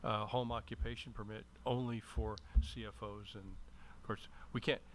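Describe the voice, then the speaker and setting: A man speaking in a measured, lawyerly way as he gives formal but halting remarks at a public meeting. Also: fairly low pitch, fairly even intonation, a bit bright. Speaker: city attorney. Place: indoor council meeting room. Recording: noisy room public-meeting microphone.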